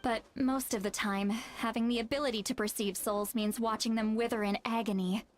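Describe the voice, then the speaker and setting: A woman's voice: a little high, steady tone, normal speed, close to an everyday voice. A woman playing a blunt, solemn tribal shaman in a video game, explaining with authority over music. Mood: grave. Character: Citlali, blunt, solemn female tribal shaman, knowing and commanding.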